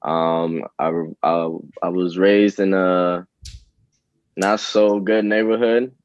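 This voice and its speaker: A man in his twenties from the Dominican Republic, a rapper answering interview questions in a relaxed, hesitant way with many fillers. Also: deep voice, takes it slowly, smooth, no echo. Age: 20s. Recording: dull, lo-fi, dry sound.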